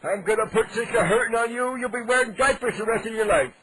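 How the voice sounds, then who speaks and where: A man's voice: extremely high pitch, fast, pushed and bright, rough recording. A man playing a cranky, indignant 87-year-old neighbor on a prank call, making blustering threats with mock-polite outrage. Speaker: prank caller.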